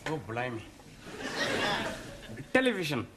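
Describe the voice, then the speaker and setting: An actor playing a cheeky, literal-minded South Asian student in a sitcom, speaking accented broken English with quaint British slang. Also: male voice, a little high, huge pitch swings, slow, noisy background, full character voice. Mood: earnest, cheeky. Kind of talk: television sitcom acting.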